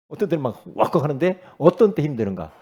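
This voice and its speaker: A middle-aged male pastor preaching, emphatic, swinging from loud exclamations to low asides and quizzing his congregation. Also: slightly rough. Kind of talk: sermon.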